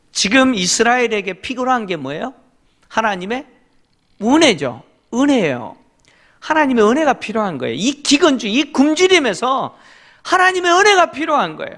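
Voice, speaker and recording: A man's voice: extremely high pitch, pushed and bright. A middle-aged man preaching a Korean sermon as pastor, emphatic, asking the congregation rhetorical questions and affirming with short interjections. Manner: leads congregation in reading scripture aloud.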